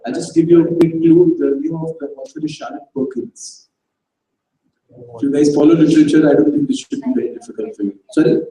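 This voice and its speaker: A man's voice: a little high, steady tone, fairly quick, mellow. Chatty man in an echoey hall. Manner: chatty, quizzes the audience. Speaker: event presenter. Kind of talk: casual talk to a live audience. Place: auditorium at an arts festival. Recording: echoey hall, distant mic.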